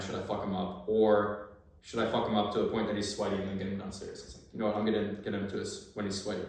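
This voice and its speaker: Low-voiced American man in an echoey room. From United States. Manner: profane, storytelling, acts out quoted exchanges. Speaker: podcast guest, former army sniper. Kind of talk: casual chat. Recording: very echoey room, far from the mic.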